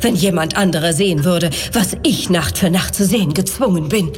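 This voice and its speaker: A woman's voice: on the low side, brisk, a little hiss or hum, lightly acted. An actress playing an anxious, haughty, haunted elderly aristocratic mother in a German audio drama, speaking formally and theatrically. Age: older. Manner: formal, genteel, theatrical delivery.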